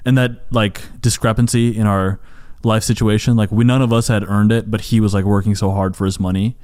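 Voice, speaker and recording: A young man from the United States hosts a casual podcast conversation in a somewhat low voice. He rambles loosely, filling his talk with "like" and restarting his thoughts as he goes. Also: little pitch movement, brisk, a little mellow. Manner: rambling, heavy use of "like", frequent restarts. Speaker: podcast host.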